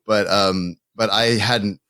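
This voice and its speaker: Male podcast host; low voice, eager and effusive, close dry mic. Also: fairly even intonation, slow pace, pushed and bright, dry recording. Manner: enthusiastic, effusive praise. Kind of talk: casual interview chat.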